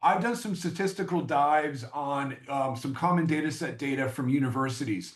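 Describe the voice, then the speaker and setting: A man with an American accent and a fairly high pitch speaks with lively intonation and hardly any pauses. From New York, US. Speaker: test prep tutor. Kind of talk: webinar presentation. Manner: fast.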